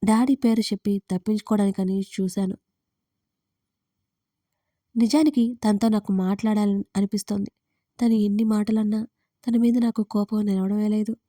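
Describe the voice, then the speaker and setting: A woman's voice: mid-range voice, normal speed, pauses often, no room sound, clean studio sound. A woman narrating a first-person romance story, reading every character's lines in her own voice. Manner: reads all parts in her own voice, lively on quoted lines.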